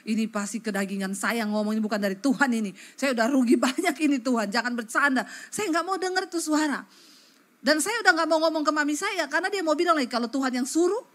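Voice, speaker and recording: Woman pastor, fairly high voice; animated, colloquial storytelling sermon that addresses the congregation. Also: fast talker.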